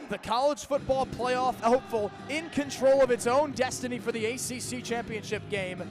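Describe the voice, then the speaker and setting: A young American man in his early twenties doing energetic, vivid live play-by-play of football on the radio. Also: very high-pitched. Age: early 20s. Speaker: play-by-play announcer.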